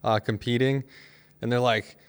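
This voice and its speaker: A man co-hosting a casual talk show, explaining things in a halting way and repeating himself. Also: mid-range voice, steady tone, clear, resonant tone. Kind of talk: casual chat.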